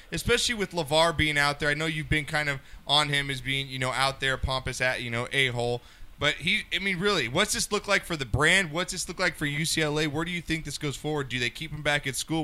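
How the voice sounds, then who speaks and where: Sharp, forceful male sports co-host. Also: on the high side, quick pace. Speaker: sports talk show co-host. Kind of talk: casual, profane sports banter.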